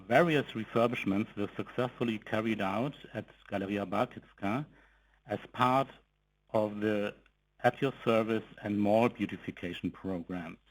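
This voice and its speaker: Man, somewhat low pitch, formal business presenter, scripted delivery, measured short phrases, financial results call. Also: low-quality recording.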